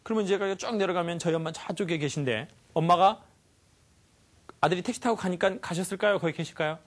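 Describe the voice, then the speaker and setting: A man giving a lively life lecture to a live audience, often asking them questions and acting out sounds. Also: high-pitched, a little fast. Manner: animated, asks the audience questions, acts out sounds.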